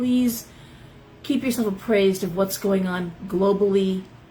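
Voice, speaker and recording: A woman speaks at a medium pitch with ordinary pitch variation, her voice carrying audible room echo and noticeable background noise. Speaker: shop owner hosting a livestream. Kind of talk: live stream chat. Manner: fast when excited; animated.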